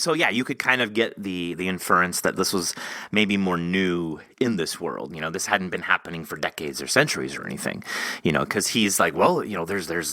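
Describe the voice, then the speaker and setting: Animated man hosting a casual interview. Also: low voice, dry recording. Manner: rambling, informal, peppered with "you know". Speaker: podcast host interviewing an author.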